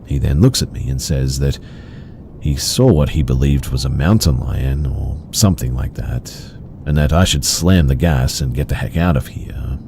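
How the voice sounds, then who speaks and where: A man narrating first-person horror stories in a slow, measured, somber way. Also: a bass voice, vocal fry, a little mellow, a little hiss or hum.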